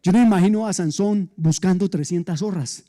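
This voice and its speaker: A male pastor preaches in a high, mellow voice. He retells a story in an animated, conversational way and breaks off for joking asides to his listeners. His delivery moves between playful commentary and the narration itself. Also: brisk. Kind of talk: sermon.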